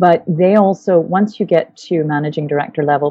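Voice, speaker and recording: A woman with a Canadian accent speaks at a fairly quick pace with fairly even intonation. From Canadian prairies, Winnipeg. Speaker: cross-cultural consultant. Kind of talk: interview.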